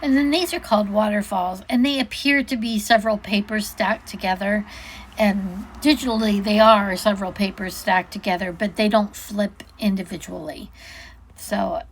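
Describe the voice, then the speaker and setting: A woman's voice: mid-range voice, fairly even intonation, moderate pace, slight background noise, rough recording. A woman giving a casual, unscripted product walk-through, chatting and musing aloud as she goes, often interrupting herself.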